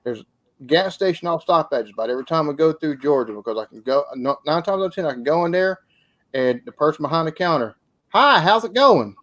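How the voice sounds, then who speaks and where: A man's voice: a little high, fast talker. A man in casual chat who rambles, repeats words and swears freely. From not from this area.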